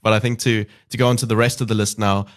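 A man with a low voice hosts a sports podcast. He sums up what the guests have said and steers them on to the next topic. He sounds calm and measured. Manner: moderating, steering the talk. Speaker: podcast host. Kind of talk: podcast discussion.

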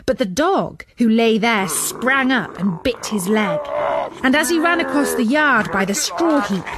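Female children's storyteller: expressive, animated intonation, unhurried pace, music behind. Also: a little high, background noise. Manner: expressive, dramatic. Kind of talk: scripted children's story narration.

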